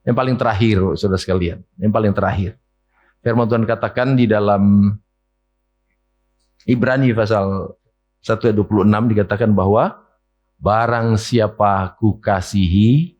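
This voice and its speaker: A man, preaching a sermon in a church, often asking the congregation questions and mimicking complaints in a higher voice. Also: steady tone, normal speed, long pauses, a little mellow, muffled recording. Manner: mimics whiny complaints in a high voice. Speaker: pastor. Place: church hall.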